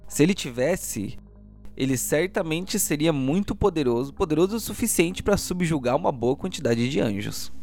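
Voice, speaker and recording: A man working as game master, narrating a dark tabletop roleplay session with dramatic weight. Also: a little high, expressive, normal speed, vocal fry, soft background music.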